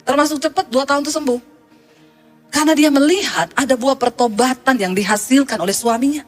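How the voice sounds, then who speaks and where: Lady pastor preaching w/ a high voice, lively storytelling, soft music behind. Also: brisk. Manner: animated storytelling, retelling congregants' testimonies. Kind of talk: sermon.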